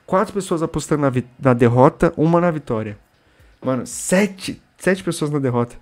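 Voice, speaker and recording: The streamer, a young man speaking with a Brazilian Portuguese accent, keeps up slang-heavy play-by-play and viewer chat, breaking into yells now and then. He talks at normal speed with a fairly high pitch and lively intonation.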